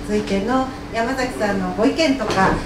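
A woman speaks at a moderate pace with a fairly high pitch and ordinary pitch variation. Noticeable background noise and audible room echo are present. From mainland Japan. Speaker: film director and event host. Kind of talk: moderated talk event discussion. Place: cafe.

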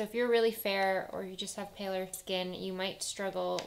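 A woman's moderately paced speech carries clearly audible background noise behind it. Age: 20s. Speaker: beauty vlogger. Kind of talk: casual makeup tutorial. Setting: home, sitting in front of camera. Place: home room.

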